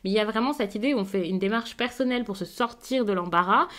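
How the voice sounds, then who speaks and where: Woman, tarot reader, soft reassuring delivery, hesitant fillers, mid-pitched. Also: quick pace. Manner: gentle, reassuring, with frequent hesitations. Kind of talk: casual tarot reading to camera.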